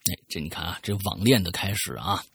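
Male host, husky and gravelly, dry close recording; expressive storyteller. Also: deep voice, brisk, dry recording. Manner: very expressive, shifting voices. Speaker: podcast host reading listener messages. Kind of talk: casual chat and story reading.

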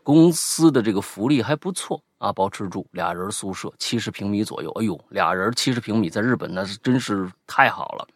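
A man co-hosting a casual podcast, reading out a listener's ghost story with lively asides and banter. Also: lowish voice, brisk, hardly any pauses, dry recording, studio quality. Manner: lively, animated retelling with asides.

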